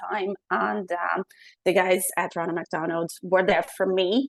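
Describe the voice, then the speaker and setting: In a dry, close recording with no echo, a woman with a Portuguese accent speaks at a medium pitch with fairly even intonation. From Brazil. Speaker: marketing and communications presenter. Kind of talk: presentation to an audience. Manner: fast.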